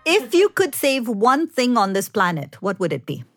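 A woman's voice: fairly high pitch, sing-song, music in the background. A woman whose first language is Sindhi, hosting an interview with eager, upbeat praise. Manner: enthusiastic, quick to praise. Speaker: podcast host.

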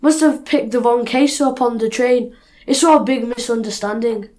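A woman's voice: fairly high pitch, moderate pace, a little mellow, lightly acted. A young woman playing a cocky, stubborn male jewel thief in an amateur audio drama. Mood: feigned innocence.

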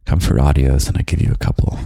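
A young man hosting a podcast of gentle, half-whispered comfort talk, slow and soft with quiet chuckles, close to the microphone. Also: a bass voice, fairly even intonation, gravelly, dry recording. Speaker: podcast host.

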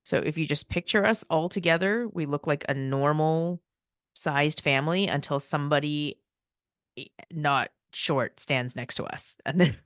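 Low-voiced chatty woman in her forties. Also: moderate pace, dry recording, clean studio sound. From United States. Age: 40s. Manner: chatty and light-hearted, laughs often, many fillers. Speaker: podcast host. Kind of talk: casual personal chat.

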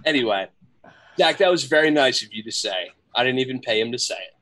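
A man hosting a casual podcast chat, upbeat and joking with quick asides, speaking into a headset. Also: mid-range voice, lively intonation, fairly bright tone, no echo. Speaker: podcast host and firearms instructor.

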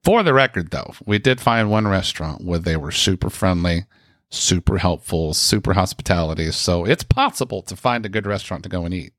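Chatty low-voiced American man. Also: animated, brisk, fairly bright tone, no echo, studio quality. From United States. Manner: rambling, chatty, lots of fillers and asides. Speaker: speaker sharing a personal story. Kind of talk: casual storytelling.

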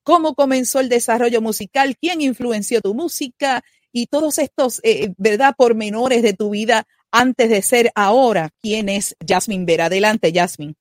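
High-voiced woman host, dry sound. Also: normal speed, no room sound. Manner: earnest devotional delivery. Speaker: radio host. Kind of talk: scripted introduction then interview.

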